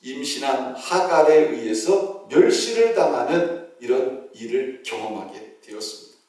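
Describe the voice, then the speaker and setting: Korean pastor preaching in an echoey hall. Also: male voice, fairly high pitch. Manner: storytelling with acted-out shouts and prayers. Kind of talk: sermon. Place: church sanctuary. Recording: echoey church hall from a distance.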